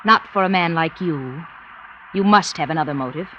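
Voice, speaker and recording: A woman's voice: sits low, moderate pace, muffled recording, lightly acted. An actress playing a coldly ambitious, seductive woman in a 1950s radio drama, talking in an insistent, coaxing way. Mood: reproachful. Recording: old radio broadcast with faint hiss.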